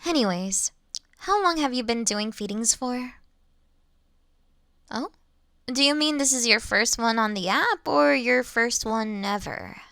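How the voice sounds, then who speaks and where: High-voiced, gentle young-looking vampire girl played by a woman. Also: expressive, a little slow, gravelly, long pauses, dry recording, studio quality, full character voice. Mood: friendly, wry. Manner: gentle, reassuring, conversational. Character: childlike-looking ancient female vampire, polite, reassuring, mildly wry. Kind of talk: scripted audio roleplay addressed to the listener.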